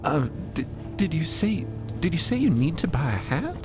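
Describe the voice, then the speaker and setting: A man's voice: on the high side, sing-song, normal speed, voice pushed up. A man voicing a flustered, eager-to-help hat shop keeper with a hesitant, stammering, folksy way of talking, in a fiction podcast. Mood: flustered, helpful. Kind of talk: narrative fiction podcast acting. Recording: music behind the voice.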